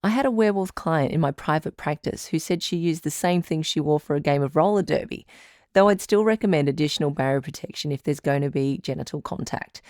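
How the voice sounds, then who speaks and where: A woman's voice: deep voice, brisk, darkish tone, no echo, studio quality. A woman playing a patient, reassuring doctor who hosts a radio advice show, articulate and composed, in a scripted audio drama. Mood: reassuring, informative.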